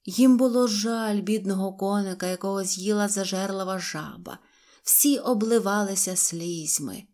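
A woman reading a children's fairy tale aloud with gentle, expressive storytelling. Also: medium pitch, moderate pace. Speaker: audiobook reader. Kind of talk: fairy-tale audiobook narration.

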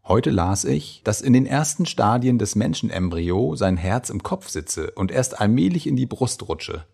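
A man giving a measured, expressive reading of old letters and diary entries. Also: on the low side, gravelly, breathy edge. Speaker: reader.

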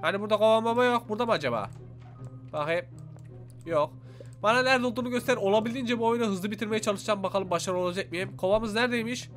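A young man giving excited let's-play commentary, exclaiming and talking to his viewers as he plays. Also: high-pitched, very fast. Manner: animated, exclaims and talks to viewers. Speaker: gaming YouTuber. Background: faint game music.

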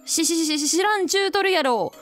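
A woman voicing a flustered, gruff older man who stammers in a Kansai accent. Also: high-pitched, expressive, moderate pace, soft background music. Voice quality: stammering, blustering.

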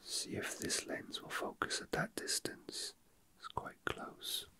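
Slow, whispering male ASMR host. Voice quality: soft breathy whisper. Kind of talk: whispered ASMR, casual unscripted rambling.

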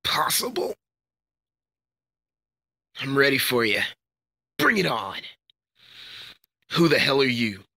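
A man's voice: mid-range voice, sing-song, measured pace, creaky, pauses often, pushed and bright, no room sound, studio quality, exaggerated voice. A man voicing a cocky, brash young martial arts fighter from a video game, with a taunting, swaggering delivery. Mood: grim, defiant. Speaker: amateur voice actor. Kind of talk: character voice demo, video game fighter lines.

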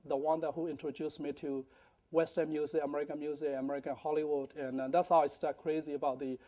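A middle-aged man telling his life story in a halting lecture, with many fillers and restarts, on a lapel mic in a large indoor kitchen. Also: fairly high pitch, warm tone. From Burma. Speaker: guest speaker.

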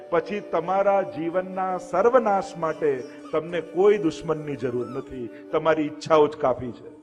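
A man's voice: sits high, in a large hall, highs cut off. A man giving a devotional discourse, talking conversationally and asking the listeners rhetorical questions. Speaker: religious speaker.

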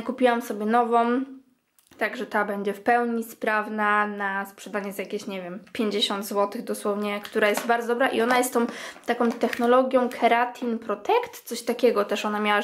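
In her home bathroom, a young beauty vlogger chats casually with viewers, calling them "girls," as she cleans and washes her makeup brushes for a clean-with-me vlog. Her voice is a little high, the room echoes, and there's slight background noise.

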